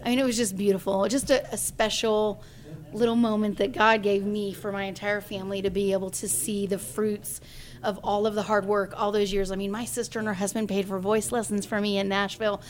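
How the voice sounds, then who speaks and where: A singer in her forties tells a personal story in an interview, a lively storyteller acting out the voices of the people she quotes. Her voice is medium in pitch and brisk.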